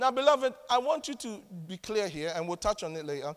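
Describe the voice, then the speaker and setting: With a Ghanaian accent, a man speaks at a moderate pace in a high pitch, his tone animated and his intonation lively. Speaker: pastor. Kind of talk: sermon. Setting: church; in front of a congregation.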